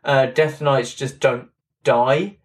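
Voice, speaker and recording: Man, casual game commentary, slightly hoarse and drying voice, rambling delivery, middle pitch. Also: fairly even intonation, slow pace. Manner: rambling, repeats "that kind of thing", fillers. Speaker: game content creator. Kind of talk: casual patch-notes commentary.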